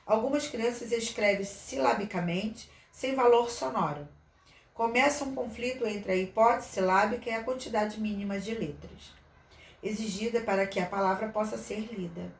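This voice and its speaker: A woman's voice: mid-range voice, moderate pace, gravelly, distant mic. A woman teaching a literacy lesson from a handout, thinking aloud with many fillers and restarts. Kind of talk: online lesson explaining a handout. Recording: echoey room, voice off-mic, faint noise.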